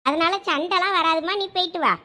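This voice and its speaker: A woman voicing a cheeky, shrill village girl. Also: fairly even intonation, fairly quick, pushed and bright. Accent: Thoothukudi Tamil. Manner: cheeky, back-talking. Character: cheeky young village daughter, boastful.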